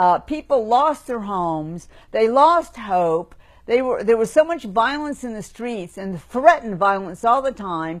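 A woman speaks at a fairly slow pace, her loudness rising and falling sharply and her pitch swinging very widely, over a quiet background. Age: 60s. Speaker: religious political commentator. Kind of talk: sermon-style political address. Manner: passionate, earnest. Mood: fervent, stern. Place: home room. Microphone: phone near.

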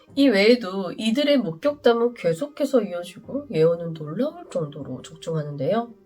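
Over noticeable background noise, a woman of medium pitch talks at a moderate pace with very wide pitch swings. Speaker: mystery storyteller. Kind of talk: mystery story narration.

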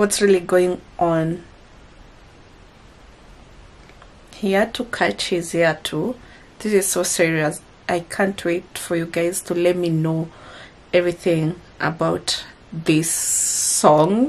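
A woman's fairly low voice, very slow, with fairly even intonation and long, frequent pauses. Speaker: reaction video creator. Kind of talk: casual vlog chat. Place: home room.

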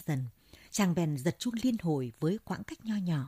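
In a very clean recording with a silent background and a dry, close sound with no echo, a woman with a fairly low pitch and a dark, mellow tone sounds somewhat breathy as her pitch swings very widely. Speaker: audiobook narrator. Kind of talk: audiobook reading. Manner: measured, steady narrative pace.

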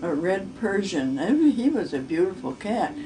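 A woman's fairly low-pitched voice with an Upper Midwest accent, fairly slow, with very wide pitch swings and music in the background. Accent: Upper Midwest American. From northern Michigan. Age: 80s+. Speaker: storyteller. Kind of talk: interview answer. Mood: relaxed, reminiscing. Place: home room. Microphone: camera far.

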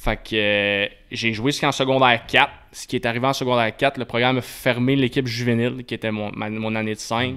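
Over a quiet background, a voice with a bright, sharp tone and a Quebec accent moves at a fairly quick pace in a monotone, flat intonation. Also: man. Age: 20s. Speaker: university football coach. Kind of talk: casual interview. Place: home room.

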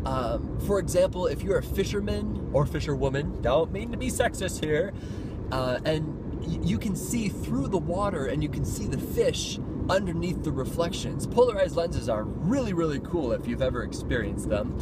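Loud background noise surrounds a man's voice. There is no echo, the sound dry. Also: moderate pace. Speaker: product reviewer. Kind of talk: casual vlog chat. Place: car. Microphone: phone near.

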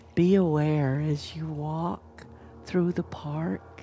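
A woman's very deep, low voice, somewhat breathy, very slow, with ordinary pitch variation. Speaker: minister; meditation guide. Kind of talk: guided meditation. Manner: calm, slow.

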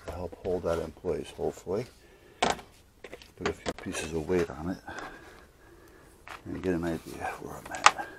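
A man speaks with long, frequent pauses. Loud background noise runs behind him. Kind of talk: casual tutorial narration. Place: car. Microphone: phone near.

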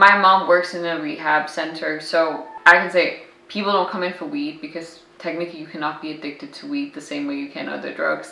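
A woman with a Danish accent speaks with lively intonation, with audible room echo and light background noise. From Denmark, Jutland (Midwest region). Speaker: travel vlogger. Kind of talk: commentary. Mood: serious, concerned. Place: home room.

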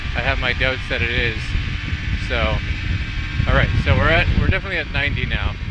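Loud background noise runs under a man's voice, which sounds dry with no echo. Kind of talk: casual vlog chat. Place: motorbike. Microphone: lapel.

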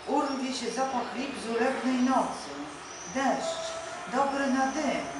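A woman speaks at a very slow pace with audible room echo. Loud noise fills the background. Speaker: poet reading own poem. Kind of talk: poem reading. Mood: calm, measured, reflective. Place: cafe.

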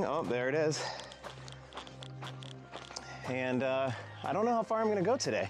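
There is clear music in the background as a man speaks, the sound dry with no echo. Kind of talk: casual vlog chat. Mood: grateful, upbeat. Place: open country. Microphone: phone near.

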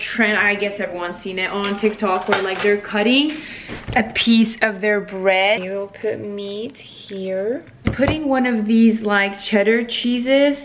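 The speaker moves at a fairly slow pace with ordinary pitch variation. Noticeable background noise runs underneath. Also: woman. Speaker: vlogger. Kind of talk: casual vlog chat. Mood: relaxed, cheerful. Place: kitchen.

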